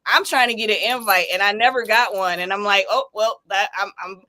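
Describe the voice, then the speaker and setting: A woman's voice: mid-range voice, a little fast. A woman in her late forties hosting a casual live chat, telling stories in an emphatic, colloquial way. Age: 40s. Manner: animated, emphatic storytelling with colloquial asides. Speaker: podcast host.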